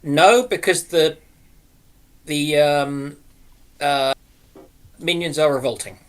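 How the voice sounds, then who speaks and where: A man's voice: a little high, slow. A man joining a live chat late, joking in a dry, wry way. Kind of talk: casual chat.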